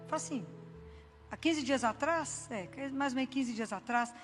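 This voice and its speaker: An older woman with a high voice gives a Christian message in a chatty storytelling way. She acts out the people she quotes. The voice has a long hall echo, with soft music underneath. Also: moderate pace. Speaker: Christian inspirational speaker. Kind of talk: spoken devotional message.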